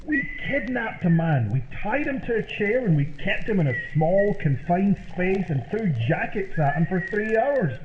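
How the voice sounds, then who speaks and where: A man's voice: high voice, big pitch swings, moderate pace, hardly any pauses. A man playing a dim, scheming, cheerfully oblivious sidekick in old-time radio comedy style. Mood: eager, oblivious. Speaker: comedy double-act performer. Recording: muffled, roomy, noisy old-radio sound.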